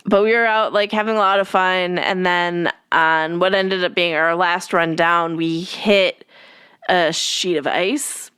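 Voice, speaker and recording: A young woman hosts her podcast in a rambling, friendly chat full of "like"s and asides. Her voice is smooth and clear but a touch stuffy from allergies. The recording is close and dry, with no room sound. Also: lowish voice, steady tone, unhurried, a bit bright, no echo. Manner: rambling, filler-heavy, friendly. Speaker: podcast host. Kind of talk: casual chatty podcast talk.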